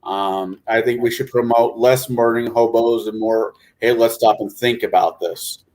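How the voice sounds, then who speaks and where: A man talking informally and haltingly in a casual panel discussion about tabletop role-playing games. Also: mid-range voice, steady tone, a little mellow.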